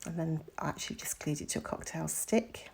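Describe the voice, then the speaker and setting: A middle-aged woman hosts a craft tutorial, her voice croaky from a recent illness. She chats along casually and fills her pauses with ums. Her tone is low and mellow. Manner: chatty, with frequent ums.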